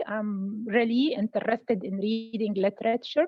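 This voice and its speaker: A woman speaks fairly slowly in an Arabic accent. Her voice is somewhat breathy, with fairly even intonation. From Upper Egypt. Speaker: museum professional and archaeologist. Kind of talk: interview. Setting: video call.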